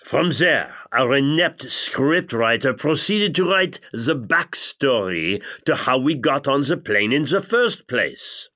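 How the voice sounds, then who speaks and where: A man plays a haughty European intellectual looking back in a comedy sketch. His delivery is slow and deliberate, with a bright, cutting tone. He sounds wordy and full of scorn. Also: medium pitch, big pitch swings, heavily acted. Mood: lofty disdain. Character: pompous European intellectual Jacques, disdainful radical critic. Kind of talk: scripted mock-retrospective narration.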